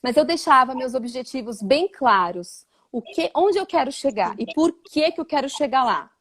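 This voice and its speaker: Brazilian woman teacher, lively chat, acts out quotes, higher pitch. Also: moderate pace. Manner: animated, acts out quoted voices. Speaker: English teacher guest. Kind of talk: casual interview chat.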